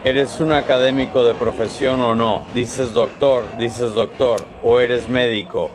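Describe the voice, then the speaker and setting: A man's voice: mid-range voice, steady tone, measured pace. A Christian man asking thoughtful questions in a casual conversation. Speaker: Christian seeker. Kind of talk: casual chat.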